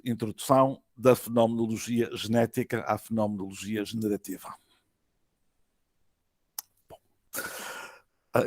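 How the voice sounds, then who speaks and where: Portuguese man lecturing in measured phrases. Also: medium pitch, dry recording. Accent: European Portuguese. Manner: measured, formal, phrase by phrase with hesitations. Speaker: university professor, conference lecturer. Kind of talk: academic lecture read from a prepared text. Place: online web conference.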